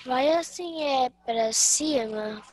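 Chatty young voice calling to the teacher. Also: female voice, high voice, extremely slow, a little mellow. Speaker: pupil. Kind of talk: online class questions. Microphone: video call.

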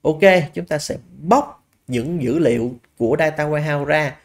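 A man's voice: a little high, unhurried. A man teaches over a slide deck, walking through each point in a plain conversational way. He poses rhetorical questions to his listeners and leans on small fillers as he thinks. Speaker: business analysis instructor. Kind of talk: slide lecture.

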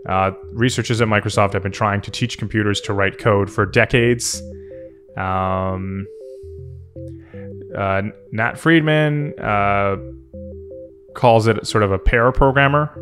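Low-pitched man thinking aloud over music. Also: a little slow, a bit bright. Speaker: tech video host and software developer. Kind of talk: casual off-the-cuff tech commentary. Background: background music.

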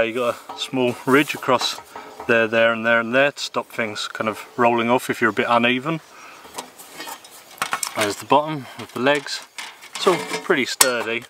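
A man in his thirties from England casually reviewing a camping table outdoors in the woods, with a relaxed manner and plenty of ums and uhs. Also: medium pitch, a little hiss or hum. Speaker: gear reviewer. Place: outdoors in woodland.

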